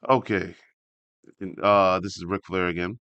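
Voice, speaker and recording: Guy w a lowish voice doing a casual read along, keeps cutting in w his own animated takes, dry sound. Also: moderate pace, clear, resonant tone, no echo, highs cut off. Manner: animated asides, interrupts himself while reading. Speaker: host reading a wrestling article aloud with commentary.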